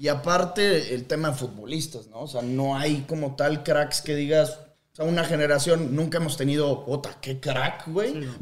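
Speech moves at a moderate pace with hardly any pauses and fairly even intonation. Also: man, fairly high pitch for a man. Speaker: podcast host. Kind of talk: casual chat.

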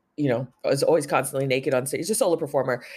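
With an American accent, a woman is talking. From San Francisco, US. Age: 40s. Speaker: playwright and performance artist. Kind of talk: interview.

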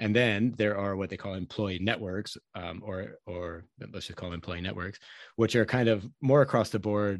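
A man talks at a moderate pace in a normal speaking voice, his pitch fairly low and his intonation fairly even. His loudness swings widely against a quiet background. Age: 40s. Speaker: tech company employee and ADHD coach. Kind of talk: casual interview.

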